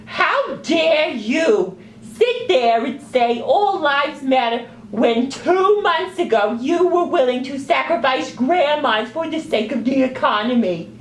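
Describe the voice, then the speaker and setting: Woman voicing an indignant, very high-pitched sock puppet. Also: echoey room, slight background noise. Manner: emphatic, exasperated, drawn-out words. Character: indignant, earnest talking sock puppet, male. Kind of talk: puppet parody of a news town hall.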